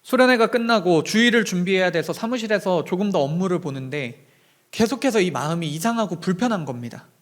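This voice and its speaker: A young man preaches a Sunday sermon in a church with a fairly high voice. He tells stories earnestly and tenderly, speaking straight to his congregation. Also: animated, brisk. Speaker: pastor. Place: church sanctuary.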